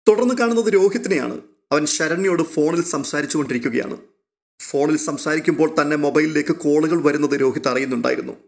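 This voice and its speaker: Man narrating with florid drama. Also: a little high. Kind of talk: scripted serial narration.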